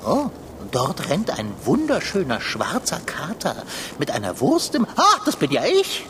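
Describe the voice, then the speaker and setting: Casting: a woman as a theatrical, self-pitying black tomcat for a children's audio play, pitch swooping wildly, over a noisy hiss. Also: huge pitch swings, a little slow, heavily acted. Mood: whiny. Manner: dramatic, theatrical complaining.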